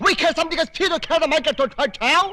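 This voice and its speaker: An actor playing a bumbling male thief brother who shouts garbled nonsense English phrases in a film scene. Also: very high-pitched, slow, exaggerated voice. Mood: blustering. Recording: film soundtrack with music behind.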